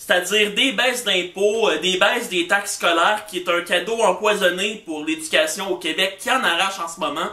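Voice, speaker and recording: Over noticeable background noise, a man with a high pitch speaks in a raised, projected voice at a moderate pace. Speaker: web show host reviewing ads. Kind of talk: casual commentary.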